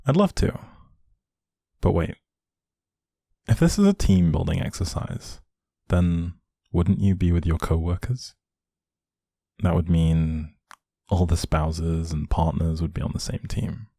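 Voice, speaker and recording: Guy playing a sweet teasy boyfriend, really low n gravelly, soft intimate roleplay audio. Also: animated, slow pace, long pauses, dry recording, studio quality, full character voice. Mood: amused, curious. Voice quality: low, soft, husky, creaky. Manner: affectionate, gently teasing. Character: doting, playfully teasing young adult boyfriend.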